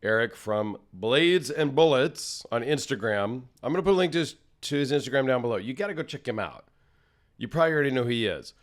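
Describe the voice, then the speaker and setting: A man hosting a casual solo vlog, chatty and rambling, his voice a little raspy and tired from travel. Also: medium pitch, animated, brisk. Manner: rambling, self-deprecating, chatty. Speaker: knife channel host.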